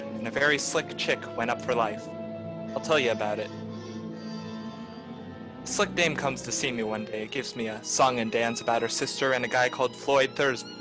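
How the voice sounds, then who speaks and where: A man's voice: mid-range voice, lightly acted. A man playing a wry, cynical private detective in a 1940s-style radio noir, talking in clipped slang. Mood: wry, matter-of-fact.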